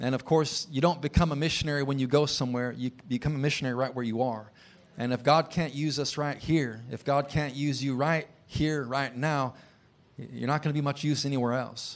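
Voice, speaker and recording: In an unremarkable speaking voice, a man talks at a fairly quick pace with fairly even intonation and a fairly high pitch. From Oregon, US Pacific Northwest. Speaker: missionary preacher. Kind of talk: sermon.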